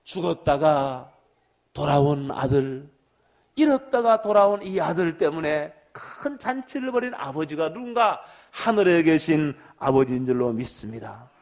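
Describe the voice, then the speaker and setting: A man preaching an evangelistic sermon at a church service as the pastor, earnest, swinging between emphatic and hushed, with repeats and drawn-out phrases. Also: fairly high pitch, sing-song.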